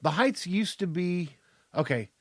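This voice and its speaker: A man's voice: sits high, expressive, unhurried, no echo, clean studio sound. A man in his fifties with an American accent, bantering casually and crudely as a podcast co-host, with emphatic delivery. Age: 50s.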